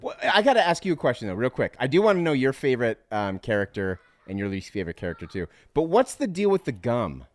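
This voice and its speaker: A man's voice: medium pitch, dry recording. A man co-hosting a casual movie podcast, eager and laughing often. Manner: eager, laughs often, quick bursts of excitement. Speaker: podcast co-host.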